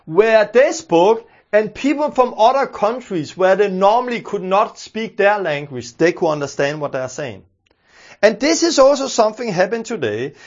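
A man's voice: high-pitched, dull audio. A man with a Danish accent, teaching a sermon in an earnest, emphatic way, repeating his key phrases. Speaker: preacher.

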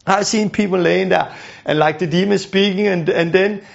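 A man's voice: high voice, steady tone, moderate pace, creaky. A man giving an earnest teaching lesson, often repeating words and restarting phrases. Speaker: teacher on deliverance ministry. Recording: dull lo-fi recording.

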